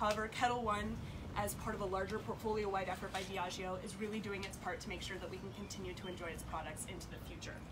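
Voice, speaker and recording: A woman with an American accent talks at a very fast pace, medium in pitch and fairly even in intonation. Loud background noise runs behind her. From New York. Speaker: competing bartender. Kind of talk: competition presentation. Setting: outdoors. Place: bar. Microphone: camera far.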